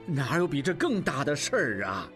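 A man voicing a panicky middle-aged head of a household in an audio drama, tripping over his words and sighing in exasperation. His voice sits fairly high and swings widely, with soft music underneath. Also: big pitch swings, normal speed. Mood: panicky, fretful. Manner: stammering, exasperated exclamations.

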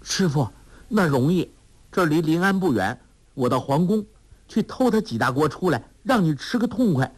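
A man voicing a clever, sharp-tongued young woman in a raised, quick, scolding voice. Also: fairly high pitch, expressive, pitched above the performer's own voice.

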